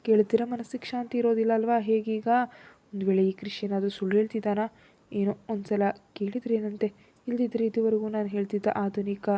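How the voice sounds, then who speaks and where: A woman tells a romance story in the first person and acts out the heroine's every feeling. Her voice is very dark and mellow, with a husky grain. She reads it like a storyteller sharing a serial. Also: mid-range voice.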